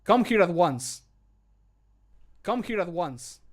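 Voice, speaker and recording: A man's voice: high voice, sing-song, takes it slowly, heavily acted. A man voicing a stern guard in a game, giving firm, clipped orders. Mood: stern, commanding. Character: stern male guard ordering a criminal to halt.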